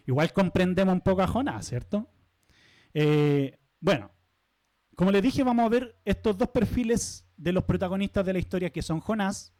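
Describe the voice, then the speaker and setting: A man preaching from the pulpit in a high-pitched voice. He keeps it conversational, stopping to ask the congregation questions and tossing in light asides. The sound is dry and close, with almost no room echo. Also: dark tone. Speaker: pastor. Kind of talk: sermon. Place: church sanctuary.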